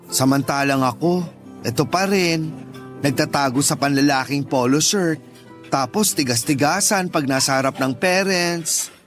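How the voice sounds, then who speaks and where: A man's voice: a little high, a little slow, close to an everyday voice. An actor playing a teasing, loyal young gay man in a Tagalog radio drama, with campy banter. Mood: sincere, wistful. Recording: music bed behind the voice.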